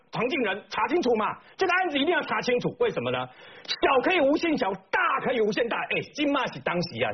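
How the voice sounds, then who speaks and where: A man's voice: very high voice, a little hiss or hum. A man with a Taiwanese Mandarin accent giving indignant talk show commentary, full of emphatic rhetorical questions. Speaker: political commentator. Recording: slightly dull broadcast audio.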